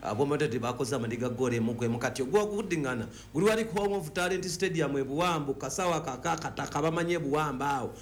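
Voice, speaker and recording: Male football pundit, Ugandan accent, rapid-fire discussion, mixed English phrases, faint noise. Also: on the high side. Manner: mixes in English words and phrases. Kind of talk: sports discussion.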